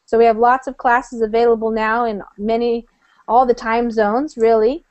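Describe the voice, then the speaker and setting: A woman's voice: a little high, level tone, normal speed, a little mellow, dull audio. A woman from the United States teaching an online English class over a video call, friendly and chatty with many fillers.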